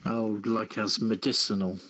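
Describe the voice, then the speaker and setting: A man hosting a casual talk show, reading news and chatting in a halting, measured way. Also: fairly low pitch, fairly even intonation, a bit bright, rough recording. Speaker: show host.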